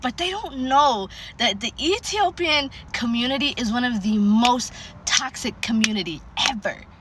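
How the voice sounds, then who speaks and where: There is noticeable background noise behind a woman's high voice. She sounds animated, and her pitch swings very widely. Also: moderate pace. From Ethiopia (Addis Ababa), raised mostly in US. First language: Amharic. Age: adult. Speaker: vlogger. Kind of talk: casual monologue.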